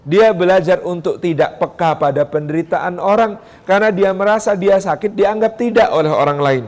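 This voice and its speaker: A male preacher gives a parenting talk. He is lively and animated, speaking straight to the mothers in his audience and acting out little scenes. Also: high-pitched, moderate pace. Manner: animated, addresses mothers directly, acts out quotes. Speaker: Islamic preacher. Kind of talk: parenting sermon to a congregation.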